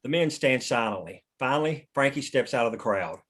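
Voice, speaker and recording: A man's voice: mid-range voice, expressive, a little fast, fairly bright tone. Male narrator for a screenplay table read, mid-range voice, reading action lines. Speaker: narrator reading stage directions.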